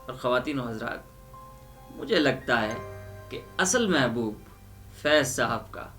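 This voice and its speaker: A man's voice: medium pitch, lively intonation, fairly bright tone. A man giving a dramatic, emphatic poetry recitation and explanation, repeating lines for effect. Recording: music under the voice. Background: music.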